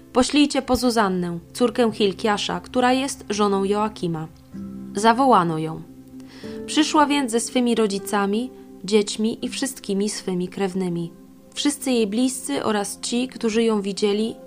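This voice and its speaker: A woman reading a scripture passage in a calm, measured way. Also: mid-range voice. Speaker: scripture reader.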